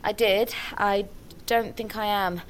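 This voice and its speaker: A woman's voice: medium pitch, fairly even intonation, slow, natural voice. An actress playing an earnest, polite young woman who apologises often. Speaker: lead character. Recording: background noise.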